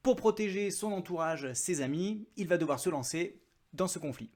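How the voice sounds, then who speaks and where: A man talks through his favourite reads in a relaxed vlog, his voice sitting a little high for a man. He keeps it chatty and throws in self-mocking asides. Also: moderate pace. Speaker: book vlogger. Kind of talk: casual book review vlog.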